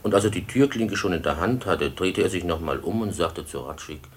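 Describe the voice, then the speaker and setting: Low, husky, measured village man. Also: expressive. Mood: measured reporting. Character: hesitant, deferential village witness recounting an evening. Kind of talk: German radio play acting.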